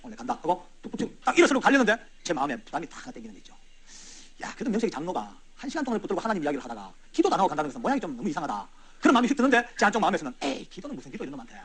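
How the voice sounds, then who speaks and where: A man, a church elder telling a testimony to his audience in an animated, conversational way that swings from loud to hushed. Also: high-pitched, very fast. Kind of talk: storytelling testimony sermon.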